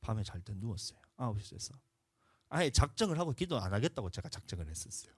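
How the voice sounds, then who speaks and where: A male pastor preaching a sermon, telling a personal story with emotion, moving between hushed confession and loud, urgent pleading. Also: fairly low pitch, big pitch swings, quick pace, breathy edge, dry recording, clean studio sound. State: tired from lack of sleep. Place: church sanctuary.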